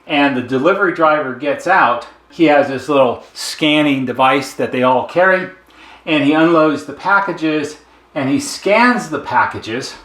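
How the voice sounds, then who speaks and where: Higher-voiced man explaining in an echoey room. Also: animated, unhurried, fairly bright tone. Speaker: intercom service technician and presenter. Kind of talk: casual explainer talk with a diagram. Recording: echoey, roomy sound.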